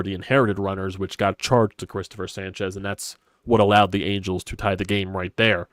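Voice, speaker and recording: A man's voice: fairly low pitch, clear, resonant tone, no echo. A young man in his twenties, congested and stuffy, hosting a casual solo sports talk stream and rambling with opinionated, casual swearing. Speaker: sports podcast host. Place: hot stuffy room at home.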